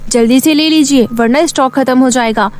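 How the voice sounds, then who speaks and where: A woman's voice: sits high, normal speed, darkish tone, natural voice. A woman voicing a poor, hardworking young shop girl in a cartoon story, respectful and eager to please. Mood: persuasive.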